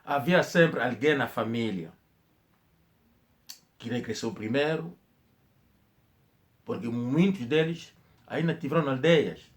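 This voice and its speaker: A man with an Angolan Portuguese accent delivers an emphatic, repetitive monologue in a mid-pitched voice. He coughs now and then and restarts his sentences. He speaks as a channel host addressing his audience. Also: slow pace, long pauses. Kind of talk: spoken commentary monologue.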